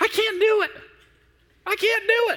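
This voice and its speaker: A man puts on a character voice at an extremely high pitch. Whiny in tone, he talks at a moderate pace. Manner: griping, whiny.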